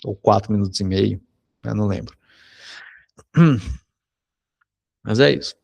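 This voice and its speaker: A Brazilian man, a psychology teacher, telling a personal anecdote in a conversational lesson, often tagging sentences with a quick question. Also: lowish voice, gravelly, a little mellow. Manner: conversational, frequent tag questions. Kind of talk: anecdote told in a recorded lesson.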